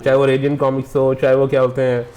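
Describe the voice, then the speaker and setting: A man's voice: mid-range voice, completely flat delivery, rapid-fire, warm tone. A man hosting an interview, asking long rambling questions full of fillers and switching into English mid-sentence. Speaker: interviewer, show host. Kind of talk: casual interview conversation.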